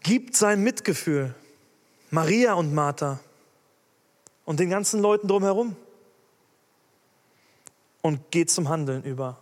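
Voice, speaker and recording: A man delivers an emphatic sermon in a fairly high voice, turning to his listeners with direct questions. His words ring out with a long reverb, as in a large hall. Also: animated, takes it slowly, long pauses. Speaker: preacher.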